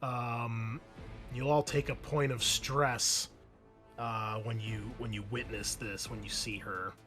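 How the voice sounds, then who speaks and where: A man running a tabletop horror game, narrating scenes in a halting, descriptive way as game master. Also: mid-range voice, steady tone, pushed and bright, soft background music.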